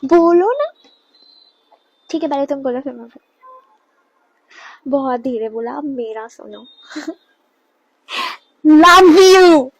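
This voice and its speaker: A woman's voice: sits high, measured pace, long pauses, warm tone, no echo, low-quality recording. A woman in a comedy skit, teasing and nagging playfully. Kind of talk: comedic role-play skit.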